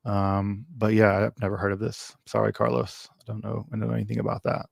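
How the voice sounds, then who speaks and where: A man's voice: on the low side, completely flat delivery, a little fast, gravelly, no room sound, clean studio sound. A man hosting a casual livestream Q&A, answering viewer questions in a rambling way with many ums, restarts and wry asides.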